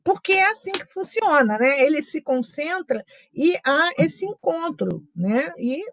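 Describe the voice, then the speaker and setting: A woman leads a study group in a chatty, casual teaching style, spinning anecdotes and asides. Her somewhat high voice swings widely in pitch. The sound is dry and close. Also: lively intonation, a little slow, a bit bright, dry recording. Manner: chatty storytelling with asides and quoted remarks.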